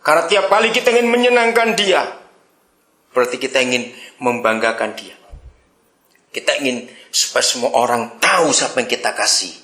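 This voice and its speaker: Bright-voiced preacher guy, teasing and jokey, pitch jumping all over, echoey room. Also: moderate pace, long pauses. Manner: lively, teasing, laughs with the congregation. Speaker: pastor. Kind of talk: sermon.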